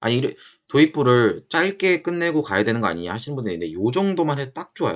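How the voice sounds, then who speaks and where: A man speaks at a very fast pace and medium pitch. His pitch swings very widely. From South Korea. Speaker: English speaking test tutor. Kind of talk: tutorial. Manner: casual with many fillers.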